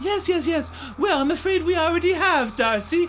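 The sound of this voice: Over clear background noise, a man puts on a character voice with an extremely high pitch, talking at a moderate pace.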